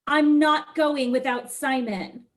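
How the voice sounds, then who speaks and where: A woman's voice: high voice, steady tone, slow. A woman playing a distraught young woman who pleads to be believed in a dramatic table read. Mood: frantic pleading.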